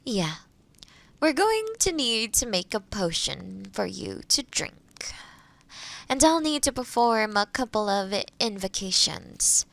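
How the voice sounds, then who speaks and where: A woman playing a kind forest witch in a roleplay audio drama, explaining things gently and thoughtfully to the listener. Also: medium pitch, sing-song, slow pace, vocal fry, dry recording, heavily acted, low-quality recording. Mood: eager, reassuring.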